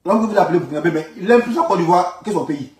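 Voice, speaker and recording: Ivorian guy going off on politics, kinda high voice, repeats himself to hammer points, roomy echo. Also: lively intonation, racing, crowd noise. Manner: insistent, repeats phrases for emphasis, rhetorical questions. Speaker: political commentator. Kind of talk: informal spoken political monologue in reply to a speech. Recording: roomy echo, distant microphone.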